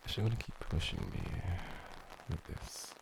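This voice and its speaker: A man's voice: moderate pace, background noise, lightly acted. A man playing a flustered, smitten young tutor in a whispered role-play, with a nerdy, awkward, stammering delivery. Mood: teasing, strained. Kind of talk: whispered role-play, boyfriend ASMR acting.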